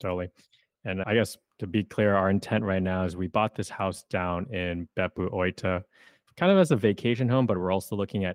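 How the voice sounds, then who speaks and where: A man with an American accent and a plain, everyday voice talks at a fairly quick pace with a fairly low pitch and fairly even intonation, in a very clean recording with a silent background and a dry, close sound with no echo. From United States. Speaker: podcast co-host, property startup co-founder. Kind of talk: casual chat.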